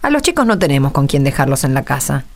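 A woman's voice: very deep voice, very animated, fast talker, full character voice. An actress with an Argentine accent playing a practical, talkative, country-raised poor mother in a radio play. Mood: chatty, practical. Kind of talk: radio drama acting.

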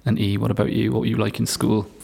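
A man hosting a podcast, reading a scripted introduction and asking measured, polite questions. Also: on the low side, level tone, creaky, dark tone, breathy edge. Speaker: podcast host.

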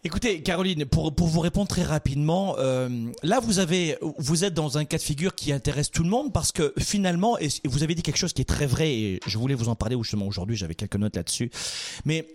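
A man speaks as the host of a motivational coaching show, in a fairly high voice. His intonation is very animated, moving widely up and down as he urges listeners on and fires rhetorical questions at them. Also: quick pace. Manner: emphatic, exhorting, rhetorical questions. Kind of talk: motivational talk, direct address to listeners.

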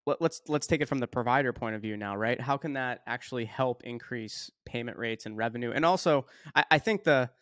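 Upbeat male podcast host, smooth voice. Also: mid-range voice, fairly quick, few pauses, fairly bright tone, no echo, studio quality. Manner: upbeat, repeats words while forming questions. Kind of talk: conversational podcast interview.

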